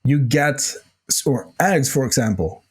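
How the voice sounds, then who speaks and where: Casual, slightly hoarse male podcast host. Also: mid-range voice, lively intonation, unhurried. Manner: casual, swears freely, many fillers. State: slightly hoarse, clears throat. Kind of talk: casual solo Q&A talk.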